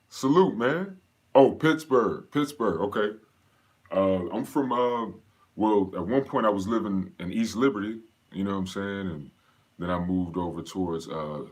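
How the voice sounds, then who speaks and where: A man's voice: fairly low pitch, unhurried, pauses often. A man from Pennsylvania, raised in North Carolina, casually hosting a live fitness Q&A and greeting viewers by name in a slangy, laid-back way. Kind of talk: casual livestream chat.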